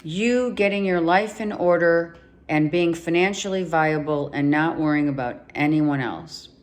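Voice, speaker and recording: Her voice is low, hoarse, and fading as she works through a tarot spread for viewers, slowly and deliberately. Coughing now and then, she stays emphatic, says key things twice, and speaks right to the listener.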